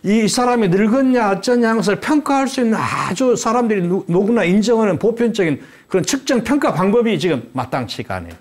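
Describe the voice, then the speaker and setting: A man's voice: sits high, fast talker, hardly any pauses. Older guy lecturing on a studio talk show, keeps asking then answering his own questions, emphatic teacher vibe, voice goes up and down a lot. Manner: poses rhetorical questions then answers them; lively, emphatic teacherly delivery. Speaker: guest expert lecturer.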